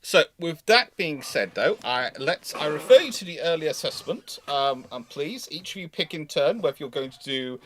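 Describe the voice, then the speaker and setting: A man's voice: fairly high pitch, animated, normal speed, few pauses, a bit bright. A man hosting a casual live stream, chatting with co-hosts and varying between emphatic delivery and mumbled asides. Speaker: live stream host of a naval history channel.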